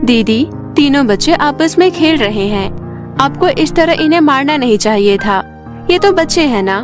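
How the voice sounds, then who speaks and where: A woman's voice: high voice, lively intonation, moderate pace, music in the background. A woman voicing a mild, reasonable young mother and put-upon sister-in-law in a Hindi cartoon story. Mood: protesting gently.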